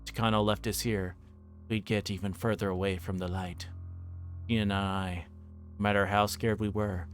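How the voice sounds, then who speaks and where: Man, low voice, livestreamer, story narration, casual hesitant asides, music in the background. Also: level tone, moderate pace. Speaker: livestreamer playing a visual novel. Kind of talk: reading game text aloud with casual stream chat. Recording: game music playing behind the voice. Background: game music.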